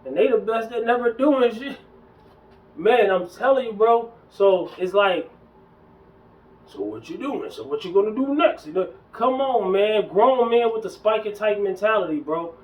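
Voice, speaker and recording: A man's voice: sits high, expressive, normal speed, a little mellow, distant mic, poor audio. Emphatic man in his forties ranting. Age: 40s. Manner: emphatic, preachy, slangy, repeats himself. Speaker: fitness vlogger. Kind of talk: casual ranting monologue.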